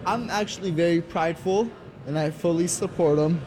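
Firm man with a higher voice. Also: normal speed, darkish tone. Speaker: sports fan.

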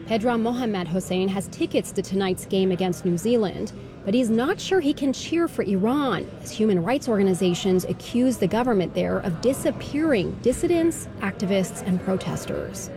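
A woman radio reporter narrating a news feature in a measured way. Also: medium pitch, animated, music in the background.

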